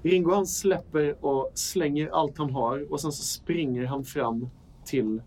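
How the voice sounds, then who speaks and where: Brief: male game master, a bit high-pitched, faint room noise, lively narration. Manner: lively, acts out panicked shouts.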